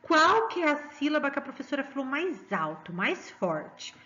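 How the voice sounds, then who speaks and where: A woman's voice: sits high, very animated, normal speed, pushed and bright, lo-fi sound. A woman with a Brazilian Portuguese accent teaching a children's lesson, sing-song and coaxing, drawing out stressed syllables.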